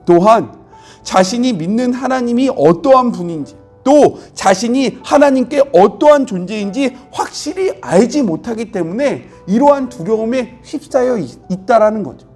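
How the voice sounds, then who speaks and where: A husky-voiced middle-aged man preaches in a lively, rising-and-falling way. He is a pastor explaining scripture earnestly, with faint music under his voice. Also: very high voice, moderate pace. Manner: earnest, explanatory, acts out quoted speech with rising intensity. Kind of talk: devotional Bible sermon.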